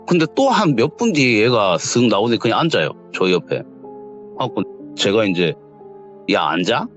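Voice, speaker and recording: A young man tells a true ghost story in a low voice that rises and falls with lively, expressive intonation. His delivery is casual and conversational, turning quietly dramatic. The recording is dull and lo-fi, with soft music running faintly underneath. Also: a little fast. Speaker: guest storyteller.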